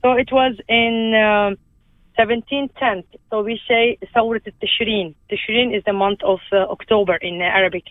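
A woman's voice: mid-range voice, steady tone, no room sound. Woman over a phone line. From Lebanon. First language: Armenian. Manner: earnest, halting, with many restarts. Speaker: guest. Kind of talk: conversational interview.

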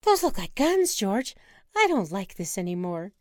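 A woman voicing an excitable, gushing wife who loves penguins. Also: sits high, slow, no room sound, clean studio sound, voice pushed up, heavily acted. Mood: excited. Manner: gushing, squealing, giddy. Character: excitable penguin-loving middle-aged wife.

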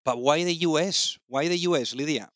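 A man with a high voice hosts a business podcast. He sounds upbeat and doubles up words for emphasis. The recording is close and dry. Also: moderate pace, fairly bright tone, no room sound. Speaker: podcast host. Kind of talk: podcast hosting and ad read.

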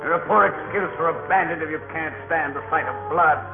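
Scornful, menacing bandit leader; slightly high-pitched, vintage radio drama over clear music. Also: male voice, fairly quick, phone-quality sound. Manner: menacing, bullying, sly. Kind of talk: old-time radio drama acting. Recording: thin old radio recording, music behind.

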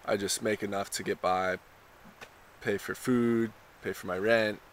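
Young male surfer type, easygoing and chatty; lowish, bright voice over light hiss. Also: fairly even intonation, measured pace. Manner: laid-back surfer talk, lots of "you know" and "like". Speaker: contestant being interviewed. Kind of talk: casual interview.

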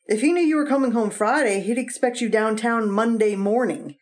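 A woman plays a devoted young wife in an old radio drama. She speaks softly and tenderly. Her tone stays gentle and reassuring throughout. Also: a little high, brisk, lightly acted. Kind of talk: 1950s radio acting.

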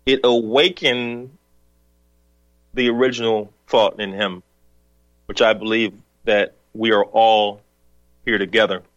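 Low-voiced man hosting call-in radio. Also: steady tone, a bit bright, dry recording, dull audio. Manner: measured, reflective, hums along with the caller. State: feeling ill. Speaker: radio talk show host.

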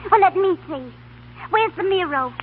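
A woman's voice: very high-pitched, animated, moderate pace, narrow, tinny audio. An actress playing a brassy, street-smart young American chorus girl, brash and slangy, in a 1930s radio comedy. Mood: indignant, cheeky. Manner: brash, slangy, plain-spoken. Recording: thin, noisy 1930s radio broadcast.

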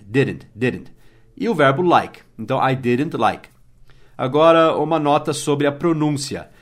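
Brief: male podcast teacher, patient drills, spells words out, mid pitch. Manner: slow, careful drilling of pronunciation, spelling words out. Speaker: English teacher, podcast host. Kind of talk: mini-podcast English lesson.

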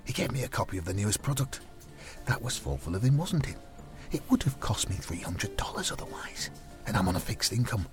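A man voicing a kindly, chatty white-haired older mother in a story, gentle and sweet. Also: on the low side, sing-song, brisk, over music. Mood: confiding.

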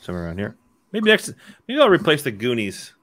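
A man chatting casually with friends, relaxed and loose with swearing. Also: mid-range voice, fast. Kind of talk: casual group chat.

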